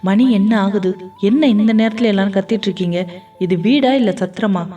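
A harsh older mother-in-law scolds with scorn, words coming quick, as a woman storyteller voices her. The tone is mellow and dark, heard dull and distant. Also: mid-range voice, faint music behind, lightly acted. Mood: scolding.

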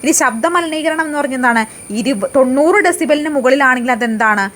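A woman leads an exam prep lesson in a fairly high voice. She poses each question and answers it herself, repeating the key facts. Her delivery has frequent hesitations and restarts. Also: brisk, a bit bright. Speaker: exam coaching teacher.

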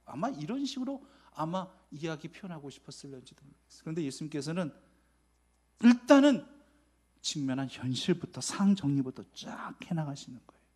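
A male pastor preaching a sermon in a lively way, acting out scenes and turning to the congregation with questions. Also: a little high, a little fast. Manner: lively, dramatizing scenes with acted-out quotes and asides to the congregation.

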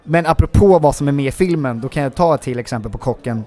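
A man, an actor guest in a casual interview, telling stories from film sets in a rambling, animated way with many filler words. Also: mid-range voice.

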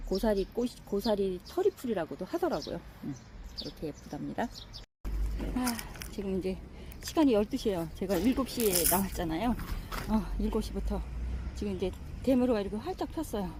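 A middle-aged woman chatting casually as she walks through her outdoor flower garden, admiring the plants with many soft fillers. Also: medium pitch, lively intonation, brisk, noisy background. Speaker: gardening vlogger.

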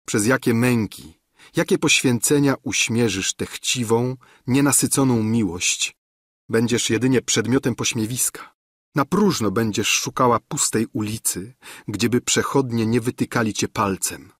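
Husky pleading heartbroken young woman from a classic novel, a guy reading her lines, dry close sound. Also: mid-range voice, measured pace, dry recording. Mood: despairing. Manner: impassioned, declamatory pleading. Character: despairing young woman in love, pleading and bitter.

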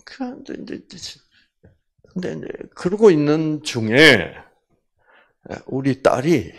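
This husky-voiced older Bible lecturer takes his time, his pitch rising and falling with energy. Plenty of fillers and dramatized quotations keep his delivery animated.

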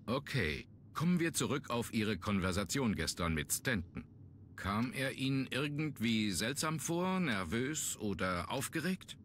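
An actor playing a businesslike police inspector in a video game, inquisitive and matter-of-fact. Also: male voice, medium pitch, big pitch swings, measured pace, fairly bright tone, a little hiss or hum. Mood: probing. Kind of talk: German video game voice acting.

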